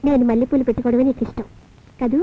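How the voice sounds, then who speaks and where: A woman's voice: on the high side, steady tone, very fast, natural voice. A young woman acting as a playful, teasing young mistress in a film scene. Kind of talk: Telugu film dialogue. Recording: tinny lo-fi film soundtrack, music.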